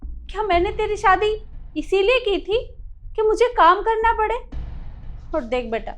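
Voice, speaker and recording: A woman's voice: very high voice, animated, unhurried. An actress playing a scheming, domineering mother-in-law who scolds and complains in a family drama. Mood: self-pitying. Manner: scolding, self-pitying. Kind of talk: Hindi family drama acting.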